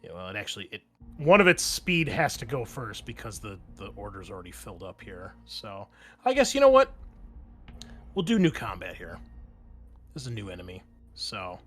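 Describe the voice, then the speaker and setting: A man's voice: fairly low pitch, sing-song, moderate pace, long pauses, fairly bright tone, breathy edge, faint music behind. A man, acting as game master in a casual tabletop session, explaining rules informally as he goes.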